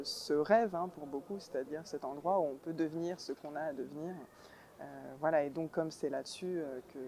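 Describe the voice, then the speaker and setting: A woman's voice: low voice, mellow. Hesitant thoughtful woman filmmaker. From New York, United States. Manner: thoughtful, hesitant, searching for words. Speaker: documentary filmmaker. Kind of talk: reflective interview answer.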